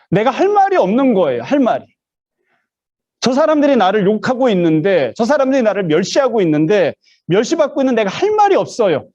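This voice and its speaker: A pastor with a high-sitting, darkish voice preaches a sermon, heard through dull audio. He tells stories and acts out the voices of the people in them.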